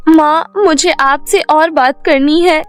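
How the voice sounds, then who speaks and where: A woman voicing a meek, kind young orphan girl working as a maid in a cartoon story, speaking gently and pleadingly. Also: high-pitched, steady tone, slow pace, soft background music. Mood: wondering.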